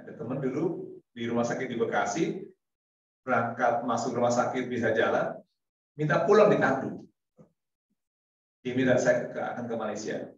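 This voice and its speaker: A man's voice: mid-range voice, moderate pace, pauses often. A man giving a casual sermon to a congregation, chatty, laughing often and acting out little dialogues. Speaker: preacher. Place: mosque hall. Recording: echoey hall from far off, dull sound.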